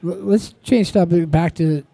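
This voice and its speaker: A man from Ohio hosting a live podcast at a convention, chatty and quick to agree. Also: high-pitched, gravelly, mellow, dry recording. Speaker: podcast host. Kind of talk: casual chat on a live podcast stage.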